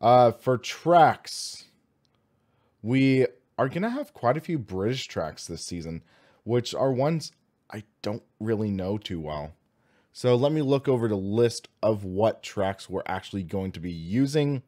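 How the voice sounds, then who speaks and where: A young American man hosts a livestream in a casual, upbeat way. His voice sits at an average pitch and is slightly hoarse. He talks informally and with enthusiasm, as if chatting to friends. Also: animated, unhurried, a little mellow. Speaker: host of a sim racing livestream.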